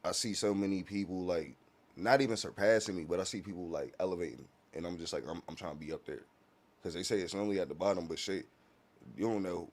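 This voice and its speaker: Deep-voiced laid-back man. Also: quick pace, darkish tone. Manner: laid-back, slang-heavy, often asks "you feel me". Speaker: musician guest. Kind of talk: casual podcast conversation.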